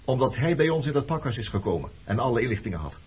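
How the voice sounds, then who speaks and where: Very husky, bitter male interrogator. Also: mid-range voice, very animated. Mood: grim, probing. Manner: sardonic, probing, deliberate. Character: bitter, accusing former resistance man, coldly interrogating. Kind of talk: Dutch radio drama acting. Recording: dull lo-fi radio play recording.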